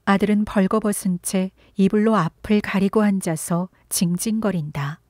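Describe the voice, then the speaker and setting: Slow, mellow woman reading a story. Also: mid-range voice, no room sound, studio quality. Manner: gentle, unhurried storytelling with some breathy whispered passages. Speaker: audiobook narrator. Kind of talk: soft literary audiobook reading.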